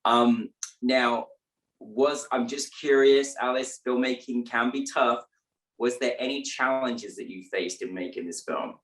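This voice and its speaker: A man's voice: mid-range voice, a little slow, fairly bright tone. A man hosting an interview over a video call, gushing with praise and stumbling through fillers and restarts. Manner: gushing, effusive, lots of "you know" and "like" fillers and restarts. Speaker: interview host. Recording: roomy echo, distant from the mic.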